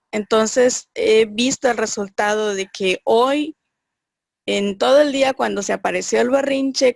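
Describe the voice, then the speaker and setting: A woman's voice: a little high, creaky, no room sound. A woman sharing a personal faith testimony, earnest and searching, thinking aloud as she goes.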